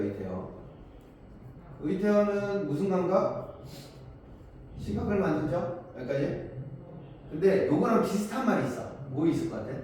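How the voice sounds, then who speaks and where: In a classroom lecture on Korean poetry, a man with a slightly high voice and dark tone poses questions to his students and answers them himself. He's captured from far off in an echoey room, with faint noise.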